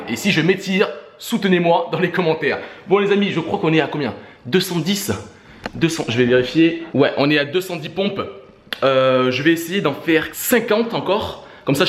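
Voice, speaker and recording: A man talking casually to his viewers between sets of push-ups, urging them on like friends in a fitness challenge video. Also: fairly high pitch. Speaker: YouTuber doing a fitness challenge. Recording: echoey room with faint background noise.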